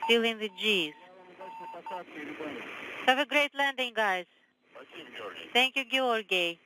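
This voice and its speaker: A voice heard over a two-way radio link, giving terse mission callouts at an unhurried, deliberate pace. A steady hiss sits under every word, and the speaker sounds set back from the mic. Plain middle pitch for the speaker. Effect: two-way radio transmission. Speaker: mission communications between ground control and crew. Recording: noisy distant radio link.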